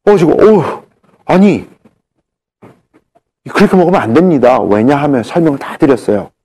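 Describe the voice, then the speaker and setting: A man's voice: on the high side, very animated, normal speed, warm tone, slightly rough. A man giving a live seminar lecture, telling stories animatedly and acting out the dialogue.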